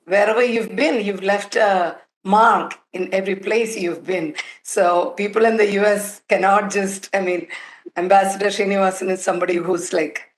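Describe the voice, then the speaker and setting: A woman's voice: medium pitch, fairly even intonation, moderate pace, echoey room, low-quality recording. A woman from Kerala, India, talking about where she comes from as an interview guest. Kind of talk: interview chat.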